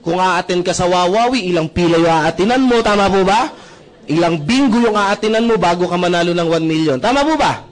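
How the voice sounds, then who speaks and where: A young man from the Philippines giving an animated testimonial at a seminar, acting out conversations and often asking the audience to agree. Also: high voice, fairly quick. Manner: acts out dialogue with shifting voices, asks audience often. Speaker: seminar speaker.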